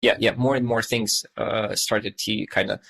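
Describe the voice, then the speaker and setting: A man's voice: lowish voice, fairly even intonation, measured pace, vocal fry, fairly bright tone. A man in his thirties from Estonia, a native Russian speaker, talking as a podcast guest in a thoughtful, meandering way with many fillers. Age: 30s. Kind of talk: casual podcast conversation.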